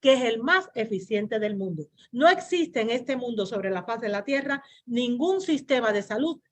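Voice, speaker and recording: A woman born in Cuba gives an earnest church talk on health over a video call, repeating phrases and pausing with "eh" as she restarts. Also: a little high, expressive. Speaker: guest speaker on health.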